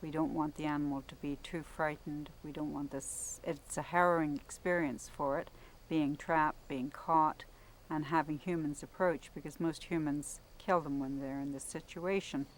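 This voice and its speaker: A woman's voice: deep voice, fairly even intonation, normal speed, a little hiss or hum, poor audio. A woman researcher explaining her fieldwork carefully, step by step, in a documentary interview. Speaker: wildlife researcher.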